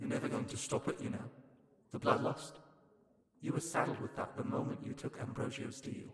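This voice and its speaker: Putting on a character voice, a man at a medium pitch talks at a fairly quick pace with long, frequent pauses and clear echo. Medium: audio drama. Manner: mocking, cold.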